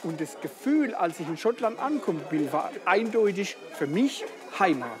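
A man from the Palatinate, the organizer of a festival, talking in a relaxed, chatty way in an interview. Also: high voice, moderate pace. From Palatinate, Germany. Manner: relaxed, chatty, with tag questions. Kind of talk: casual interview. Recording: noisy crowded festival. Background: bagpipe music and crowd chatter.

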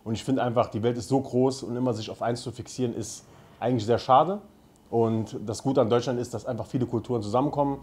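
A man's voice: medium pitch, steady tone, fast, darkish tone, husky. A man in his thirties from Saarbrücken speaking earnestly and steadily in an interview. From Germany (Saarbrücken). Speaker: restaurant co-owner. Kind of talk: interview statement.

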